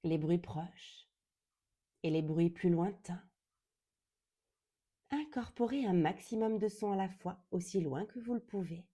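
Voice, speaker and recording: A woman leads a guided meditation in a fairly low, very warm and relaxed voice. Her pace is slow and deliberate, with long pauses between short phrases. She sounds calm, gentle and soothing throughout. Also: slightly rough. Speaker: yoga nidra guide.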